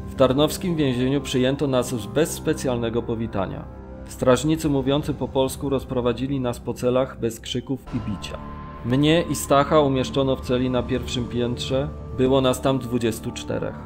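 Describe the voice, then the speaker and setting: Male actor as sober prisoner, medium pitch, matter-of-fact radio drama monologue, clear music underneath. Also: fairly even intonation, normal speed, lightly acted. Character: sober male political prisoner describing new jail.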